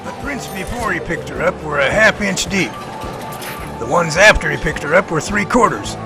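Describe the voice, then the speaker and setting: A man's voice: sits high, animated, normal speed, music in the background. An actor playing an earnest, assured male professor and field researcher, speaking emphatically in audio drama dialogue. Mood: earnest, emphatic.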